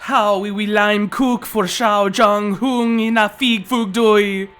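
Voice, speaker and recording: Casting: man performing a loud, high-pitched, theatrical cartoon fantasy warrior, declaiming over faint music. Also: fairly even intonation, takes it slowly, clear, resonant tone. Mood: declamatory. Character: characters from an animated fantasy show, speaking a constructed language. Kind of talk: dramatic reenactment of cartoon dialogue. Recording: music behind the voice.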